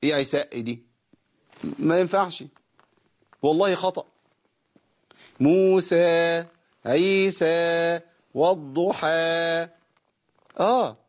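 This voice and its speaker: Egyptian male host teaching Quran recitation, slightly high voice, explains then chants verse slowly. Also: breathy edge. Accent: Egyptian Arabic. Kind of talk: Egyptian Arabic religious lesson on a broadcast show.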